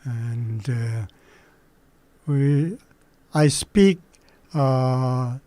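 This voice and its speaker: A man in his eighties, native Korean speaker, recalling his childhood in a halting way with many pauses. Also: medium pitch, warm tone, no echo. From Manchuria. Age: 80s. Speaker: guest. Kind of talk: recalling memories in an interview.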